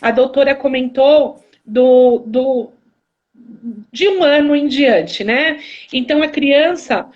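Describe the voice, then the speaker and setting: A woman's voice: high voice, slow, a little mellow, highs cut off. A woman host with a Brazilian Portuguese accent asking long, rambling questions with many restarts on a video call. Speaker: live stream host. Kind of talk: interview questions.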